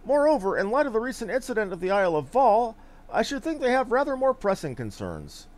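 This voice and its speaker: A man's voice: high voice, wildly swooping pitch, fairly quick, darkish tone, voice pushed up. A man voicing an earnest, wordy male scholar in a fantasy game, speaking with formal, archaic courtesy. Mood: polite, suspicious. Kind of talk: fantasy game dialogue read aloud.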